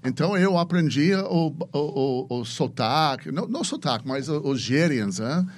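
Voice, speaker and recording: A man's voice: fairly high pitch, animated, normal speed. A man with an American accent, a native English speaker, talking casually as a podcast guest and searching for words in his second language. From United States. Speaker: podcast guest, venture capitalist.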